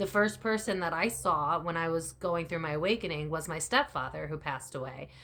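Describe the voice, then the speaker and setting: A woman talks at a moderate pace with a bright, sharp tone. Vocal fry runs through her speech. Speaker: spiritual content creator. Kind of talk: casual vlog talk. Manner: stumbling, self-described stutter; casual, conversational.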